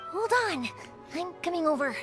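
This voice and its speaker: A woman playing a cheerful young female fireworks maker in a video game, friendly and expressive. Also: very high-pitched, moderate pace, over music. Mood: hushed, reassuring.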